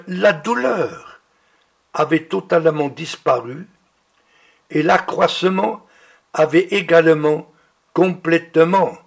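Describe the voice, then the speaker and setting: A man preaching a sermon, reading out healing testimonies in a slow, deliberate way. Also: fairly high pitch, gravelly, husky.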